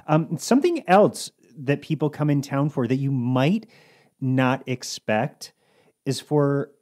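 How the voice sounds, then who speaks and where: A man co-hosting a casual talk show, chatting in a lively way with a medium-pitched voice. He keeps the talk moving with animated asides. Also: slow. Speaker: podcast co-host. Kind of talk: casual chat.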